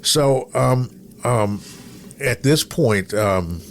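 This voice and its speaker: A man's voice: medium pitch, expressive, extremely slow, a little hiss or hum. A man in his sixties chatting casually and in a rambling, self-deprecating way, like a seasoned radio co-host. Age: 60s. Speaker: podcast co-host and radio broadcaster. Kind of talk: casual conversational chat.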